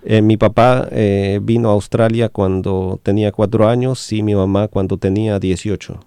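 A man hosting a radio talk, interpreting, halting and full of fillers. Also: on the low side, fairly even intonation, dark tone, clean tone, no room sound, studio quality. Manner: many fillers and restarts, slow and halting.

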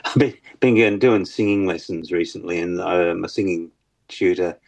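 A musician appears as an interview guest, speaking hesitantly in a very low bass voice with lots of fillers and restarts. His pace is normal, with vocal fry and a darkish tone, in a casual interview chat.

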